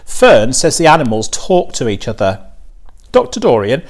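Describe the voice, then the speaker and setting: A man's voice: medium pitch, wildly swooping pitch, normal speed. A man voicing an anxious, plain-minded farm mother in a children's storybook, with a fretful, questioning manner. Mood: worried.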